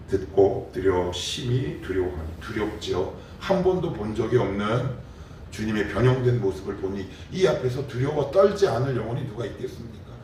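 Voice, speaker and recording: A man's voice: mid-range voice, a little mellow, slight background noise. A middle-aged male pastor preaching at a morning prayer service, pressing the congregation with rhetorical questions and answering them himself. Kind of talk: sermon. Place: church sanctuary. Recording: very echoey church recorded from a distance.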